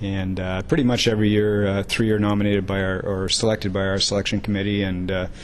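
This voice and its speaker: There is audible room echo around this recording. A man with a Canadian accent talks at a fairly low pitch. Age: 70s. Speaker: retiring hockey league president. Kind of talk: casual interview.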